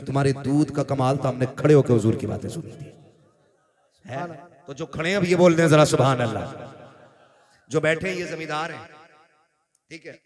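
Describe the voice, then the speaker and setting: A man preaching at a religious gathering, joking with the crowd and leading their responses, then chanting a long lineage. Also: a little high. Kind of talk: sermon with crowd call-and-response. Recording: crowd noise from a live gathering.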